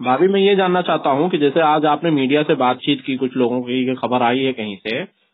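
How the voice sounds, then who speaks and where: A man has a normal speaking voice with fairly high pitch. He talks at a moderate pace with ordinary pitch variation. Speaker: journalist. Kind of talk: phone interview questions. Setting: phone line.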